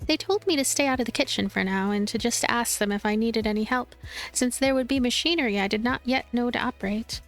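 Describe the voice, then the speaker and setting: A woman reading a visual novel aloud as a let's play narrator, in expressive, animated storytelling. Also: on the high side, fairly quick, faint music behind. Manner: animated storytelling, acts out dialogue.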